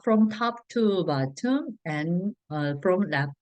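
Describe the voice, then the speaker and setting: A woman with a Korean accent, a native Korean speaker, teaching a language lesson slowly, pausing on fillers and restarting her sentences. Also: lowish voice, animated, a little mellow, no echo. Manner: hesitant, many "uh" fillers and restarts. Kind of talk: slow explanatory lesson for learners.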